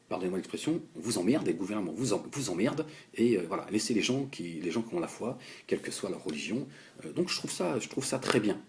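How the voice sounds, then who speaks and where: Young man from France, political commentator, talking in a low voice with big swings in pitch, stop-start and repetitive. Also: slight background noise. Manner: animated, halting, repeats words, addresses the politician directly. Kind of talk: heated political monologue.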